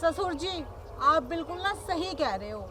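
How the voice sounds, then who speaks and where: A woman's voice: very high voice, moderate pace, crowd noise. A woman playing a defiant young daughter-in-law, a police officer, who lectures her mother-in-law combatively. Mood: aggrieved. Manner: combative, lecturing, repeats "samajh gaye".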